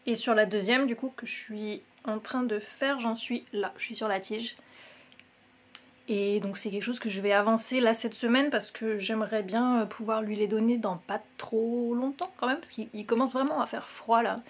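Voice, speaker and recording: A young woman with a French accent, chatting casually about her knitting, with many fillers and soft little asides. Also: on the high side, steady tone, moderate pace, husky. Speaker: knitting vlogger. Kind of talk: casual chat.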